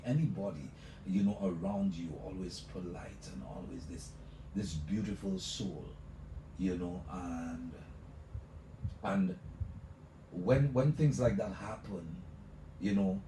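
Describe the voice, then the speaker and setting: A man's voice: fairly low pitch, mellow. A male radio host talking effusively on a live show, repeating "let me tell you" as he builds up his guest. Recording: echoey room, mic at a distance, noisy.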